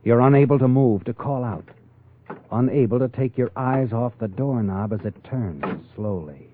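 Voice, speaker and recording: An actor playing a sinister, taunting narrator of a 1940s radio crime drama, insinuating and deliberate. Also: male voice, medium pitch, a little hiss or hum, natural voice. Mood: menacing, taunting. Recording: tinny, band-limited 1940s radio with music.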